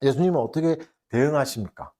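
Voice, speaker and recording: A man's voice: mid-range voice, fast, mellow. A male pastor preaching a sermon, asking the congregation rhetorical questions and acting out quoted taunts.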